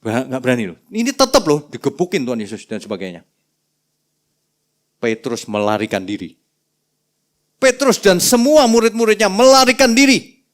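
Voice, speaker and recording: A male pastor preaching a sermon with animated, humorous storytelling. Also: sits high, normal speed, long pauses.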